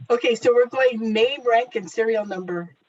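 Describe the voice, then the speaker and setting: A woman's voice: fairly high pitch, measured pace, darkish tone. A woman leads a video call, upbeat and explanatory as she sums up points. Her audio is dull and lo-fi, a little muffled. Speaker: meeting chair. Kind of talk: leading a video meeting.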